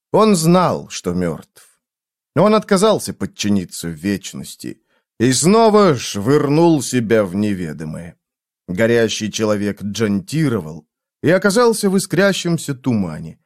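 A man's voice: on the low side, darkish tone. A man giving a dramatic, intense audiobook narration. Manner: theatrical, intense delivery.

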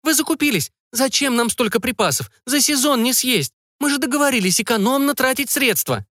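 A man voicing a fussy, excitable middle-aged mother who fires off anxious questions. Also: very high-pitched, a little fast, no echo, clean studio sound, pitched above the performer's own voice, full character voice. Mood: fretful. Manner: fretful, breathless questioning.

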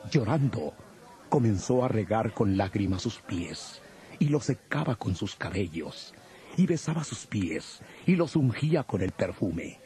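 A man with a husky voice giving solemn scripted narration for a dramatized audio Bible. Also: fairly low pitch, mellow. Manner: solemn storytelling.

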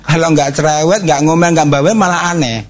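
Animated, jokey man preaching. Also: fairly high pitch. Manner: animated, jokey, asks the audience questions, acts out quick exclamations. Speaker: speaker at a parenting and youth talk. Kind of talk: lively religious seminar talk.

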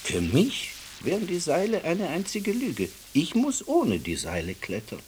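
An actor in a radio play voicing a devout, impassioned Jewish man who speaks haltingly, at times dropping to a whisper. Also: fairly high pitch, huge pitch swings, darkish tone, a little hiss or hum. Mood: fervent.

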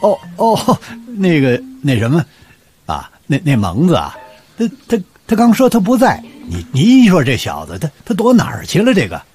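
A man's voice: a little high, huge pitch swings, moderate pace, a little mellow. An actor playing a fussy, boastful old grandfather from Beijing who stammers and rambles, in a radio drama over background music. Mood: stammering. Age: older.

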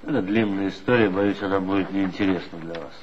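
An actor playing a guarded former reporter who answers in a measured, reflective way in a 1960s radio play. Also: male voice, low voice, fairly even intonation, a little mellow, slight background noise, lightly acted. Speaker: former reporter being questioned. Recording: dull lo-fi old radio play recording.

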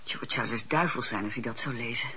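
An actress playing a sensible, doubtful woman in a Dutch radio drama, with a husky voice. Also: extremely low pitch, fairly quick, pushed and bright, exaggerated voice. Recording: dull lo-fi radio play recording.

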